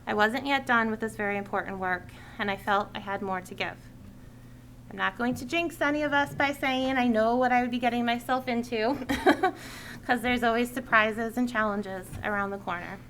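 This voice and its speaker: A woman's voice: fairly high pitch, brisk, a bit bright, slight background noise, poor audio. A woman serving as school committee chair, reading a prepared, earnest statement at a public meeting.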